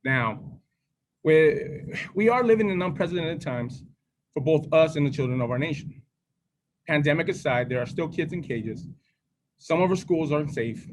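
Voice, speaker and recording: A man's voice: on the high side, lively intonation, normal speed, slight background noise, poor audio. A man from Arizona giving an upbeat campaign speech for a board seat, joking lightly and restarting phrases. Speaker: board candidate.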